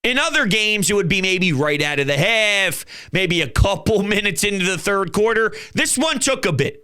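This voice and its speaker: Bright-voiced fired-up man. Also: sits high, lively intonation, normal speed, smooth. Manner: emphatic, fired-up, swears. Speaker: fan channel host. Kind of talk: fan commentary vlog.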